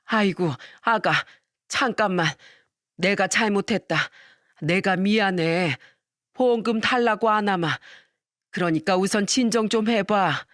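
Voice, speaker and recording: A woman voicing a greedy, scheming middle-aged mother-in-law who speaks slowly and coaxingly, close and dry. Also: mid-range voice, no room sound, close to an everyday voice. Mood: pleading. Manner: slow, coaxing, self-pitying.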